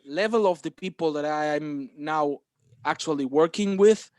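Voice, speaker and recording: A man from Galicia, talking in a casual podcast chat, excited and halting, with many restarts. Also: on the high side, no echo, clean studio sound.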